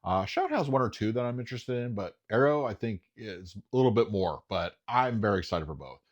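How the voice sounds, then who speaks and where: A man casually talking through upcoming disc releases in a chatty, enthusiastic way, often pausing with "uh". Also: fairly low pitch, sing-song, lo-fi sound. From United States. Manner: chatty, enthusiastic, frequent uh fillers. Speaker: home video reviewer. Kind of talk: casual solo commentary.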